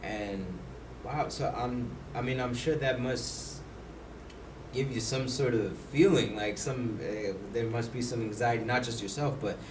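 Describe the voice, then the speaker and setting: A male host fumbles agreeably through his questions, full of fillers. He sounds far from the mic in an echoey room, with a loud hiss underneath. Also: medium pitch, measured pace. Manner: hesitant, agreeable, many fillers. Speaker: talk show host. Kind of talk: talk show interview. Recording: roomy, distant mic with loud noise.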